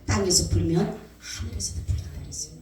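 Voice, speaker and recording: Female pastor giving a testimony sermon, slightly low voice, heard from afar in a reverberant church. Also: fast, slight background noise. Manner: animated storytelling, acting out quoted voices. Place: church sanctuary. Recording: echoey church hall mic from a distance.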